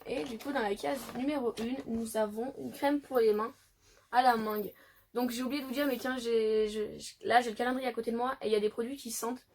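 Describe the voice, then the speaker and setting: A woman's voice: fairly high pitch, fairly even intonation, brisk, a little mellow. A woman vlogger chatting casually through an unboxing, thinking aloud with lots of fillers. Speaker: beauty vlogger.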